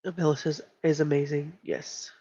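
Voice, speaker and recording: A woman's voice: sits low, level tone, normal speed, warm tone, slightly rough, dry recording. A woman hosting a casual livestream, chatty and emphatic, with a stuffy nose. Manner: chatty, reacts to chat, emphatic. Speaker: livestream host. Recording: dull lo-fi stream audio.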